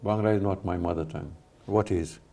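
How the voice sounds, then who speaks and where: Low gravelly guy hosting a tv talk show, keeps stopping and restarting, dark tone. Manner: halting, many restarts and fillers. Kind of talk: interviewing a guest.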